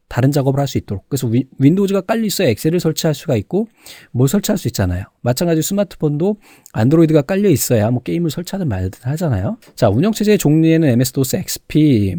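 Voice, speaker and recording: Animated male lecturer, dry close sound. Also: medium pitch, no echo. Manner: conversational, poses and answers his own questions. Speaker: online computer certification lecturer. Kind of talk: informal explanatory exam lecture.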